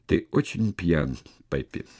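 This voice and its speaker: A man voicing a patient, cautious foreign merchant who speaks calmly, in an audiobook. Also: low-pitched, takes it slowly, breathy edge, full character voice.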